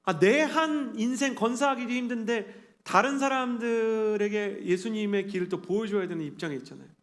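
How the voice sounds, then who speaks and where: A man in his thirties preaching a sermon to a young adult congregation, earnest and animated, acting out quotes as he tells stories. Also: sits high, normal speed. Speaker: pastor. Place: church sanctuary.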